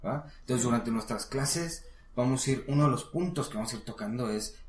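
A man teaches pronunciation in a relaxed one-on-one lesson. His voice sits at an ordinary middle pitch, and he patiently models each word slowly. The room is echoey. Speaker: English teacher.

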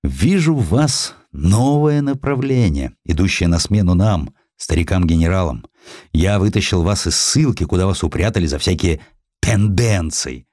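A man's voice: deep voice, a little mellow, no room sound. Man acting elderly male editor, old general, wry, avuncular, swooping intonation, radio play, dry studio sound. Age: older.

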